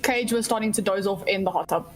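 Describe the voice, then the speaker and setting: A woman's voice: medium pitch, fast talker, poor audio. A woman playing a tabletop game, talking in a chatty, rambling way and giggling often. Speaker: player. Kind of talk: casual tabletop play.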